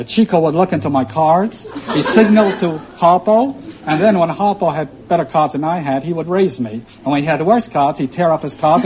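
Man in his 50s, dull old broadcast. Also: sits high. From Austria. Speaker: quiz show contestant. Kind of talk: casual chat.

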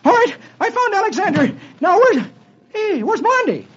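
A man voicing a hapless comic-strip husband who yells in a high, flustered voice, on a dull old radio recording. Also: big pitch swings, moderate pace. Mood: frantic.

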